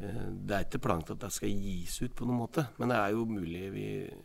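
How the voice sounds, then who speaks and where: A man's fairly low voice with vocal fry and lively intonation at a very fast pace, in audible room echo. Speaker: singer and actor. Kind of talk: casual interview. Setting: on a stage in an open-air museum.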